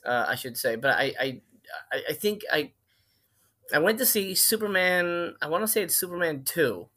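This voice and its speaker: A man in his forties from Miami, a filmmaker, sounds pushed and bright in a mid-range voice. He's telling stories as an interview guest in a casual, rambling way, regularly going back to fix his own words.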